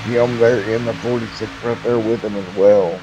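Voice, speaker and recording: Hoarse man calling a race. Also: lowish voice, moderate pace, poor audio. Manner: steady play-by-play calling positions. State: losing his voice. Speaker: sim racing commentator. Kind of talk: live race commentary. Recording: music playing behind voice.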